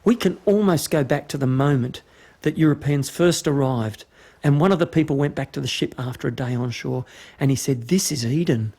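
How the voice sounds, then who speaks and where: A man's voice: medium pitch, a little fast, a little mellow. A man speaking earnestly and passionately as a conservation expert in a documentary interview.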